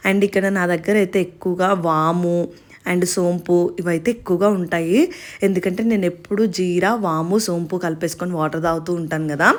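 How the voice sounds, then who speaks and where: A woman's voice: fairly low pitch, steady tone, brisk. A young adult Indian woman, narrating a casual home vlog in a chatty, explanatory way and addressing viewers directly. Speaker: home vlogger.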